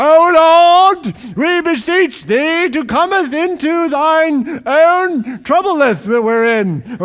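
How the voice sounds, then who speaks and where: A man puts on a loud character voice at an extremely high pitch, speaking at a very slow pace. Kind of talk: archaic, biblical prayer language. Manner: loud, mocking.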